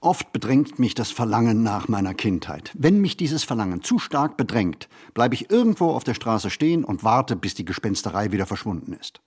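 An actor playing a reflective ageing writer in a literary radio play monologue, phrasing in a measured, deliberate way. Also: male voice, fairly low pitch, sing-song, breathy edge. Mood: wistful, wry. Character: reflective ageing male writer recalling a poor childhood.

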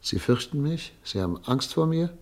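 A man acting in a German radio play as a weary, dignified émigré doctor, grave, deliberate and melancholy. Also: medium pitch, very animated. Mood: wounded.

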